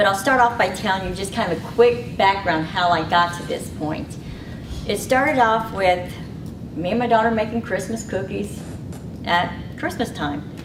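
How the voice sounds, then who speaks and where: A woman's intonation is lively amid noticeable background noise and audible echo from the room. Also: medium pitch for a woman. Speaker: small business owner. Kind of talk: talk to an audience. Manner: fast.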